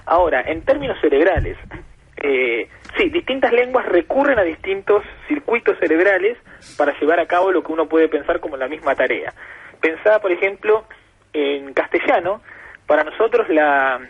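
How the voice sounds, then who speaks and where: A husky-voiced Argentine man with an Argentine Spanish accent joins an explanatory radio interview as a guest expert over the telephone. His pitch is fairly high, his intonation lively, and his speed normal, and he patiently builds his points with examples like a professor. The phone line sounds muffled on air.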